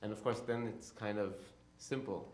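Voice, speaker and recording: Israeli-raised man, director at a talkback, low easy voice, casual rambling, reverberant hall. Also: fairly even intonation, normal speed, darkish tone. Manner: conversational, lots of "you know" and "um". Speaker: director and co-translator. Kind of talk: post-show talkback answers. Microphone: handheld microphone.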